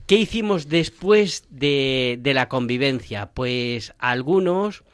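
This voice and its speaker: Playful seminarian hosting a radio chat. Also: male voice, medium pitch, expressive, slow pace, fairly bright tone, dry recording. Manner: playful, jokes about his own stumbles. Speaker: radio show host, seminarian.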